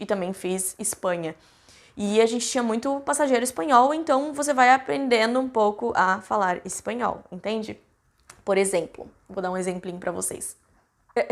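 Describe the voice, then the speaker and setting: A young woman from Brazil, a cruise ship crew member, chatting casually and directly to her viewers with lots of fillers. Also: a little high.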